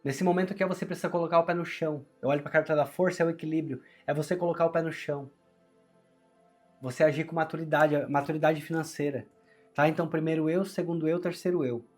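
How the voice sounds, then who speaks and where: Brazilian man with strained, sore-throated, higher voice. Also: fairly even intonation, quick pace, darkish tone, soft background music. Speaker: tarot reader, channel host. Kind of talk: conversational tarot reading to viewers.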